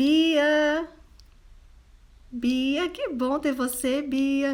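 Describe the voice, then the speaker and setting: A woman speaks in a Goiás accent with a high pitch. Her tone is animated. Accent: Goiás Brazilian Portuguese (goianês). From Brazil, Goiás. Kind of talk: live-streamed devotional talk.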